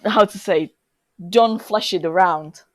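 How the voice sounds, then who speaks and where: A woman's voice: mid-range voice, takes it slowly. A woman in a casual chat as a podcast co-host, speaking in a hesitant, self-effacing way.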